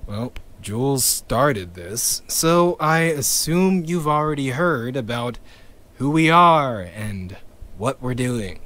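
Blunt, bitter crewman, slow, lively pitch, swears. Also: slight background noise. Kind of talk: audio drama acting.

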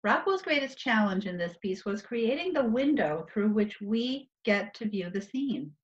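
A woman's voice: mid-range voice, big pitch swings, normal speed. A middle-aged woman curator giving educational art commentary and putting questions to viewers from a room at home over a video call. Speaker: museum curator. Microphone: computer mic on a video call. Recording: dull, lo-fi video call audio.

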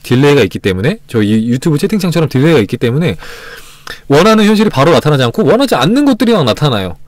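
A man hosting a self-help livestream, chatting casually and acting out little scenes with sudden loud exclamations. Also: on the high side, big pitch swings, very fast, dry recording, studio quality. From Korea.

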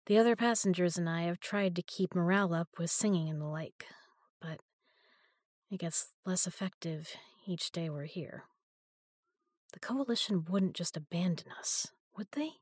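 A woman voicing a frightened prisoner in a sci-fi audio drama, weary and hushed, breaking into frantic pleading when she is left behind. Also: fairly low pitch, measured pace, pauses often, no echo, studio quality. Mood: hushed despair.

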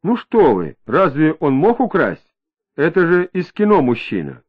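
A capricious young woman, as a male reader puts her on, her lines swinging between a dreamy drawl and sharp, prickly snaps. The voice moves lively up and down in pitch. The sound is thin and tinny, like a phone line. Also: measured pace, full character voice.

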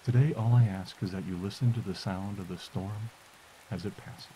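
A man softly and slowly guiding a meditation as podcast host, in a soothing delivery. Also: on the low side, poor audio. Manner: soft, slow, soothing delivery. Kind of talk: guided meditation. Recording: hiss and rain noise. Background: rain.

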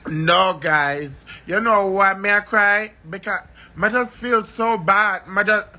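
A man's voice: sits high, slow, sharp tone. A man ranting emotionally in a vlog, rambling and repeating phrases over and over.

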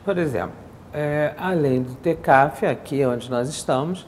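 A woman's voice: low voice, unhurried, darkish tone. A middle-aged woman interviewing a religious leader, asking short, prompting questions. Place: indoor temple room with altar. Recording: echoey room with faint hiss.

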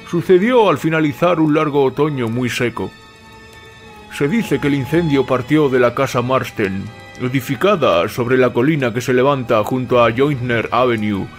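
A man acting a sober small-town local in an audio drama. He speaks at a middling pitch, steady and measured, with an ominous weight. Music runs underneath.

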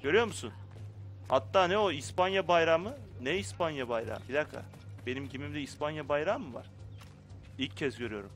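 A man's voice: a little high, lively intonation, brisk, soft background music. Playful man narrating his gameplay. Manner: playful, talks to game characters in mock indignation; swings between muttering and loud outbursts. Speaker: gaming YouTuber. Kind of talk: casual gameplay commentary.

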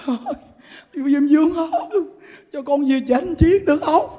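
A man's voice: very high-pitched, lively intonation, normal speed, warm tone, pitched above the performer's own voice. A male preacher voicing a furious dead man who begs the judge of the dead to let him go back. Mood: pleading. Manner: pleading, indignant. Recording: long hall reverb.

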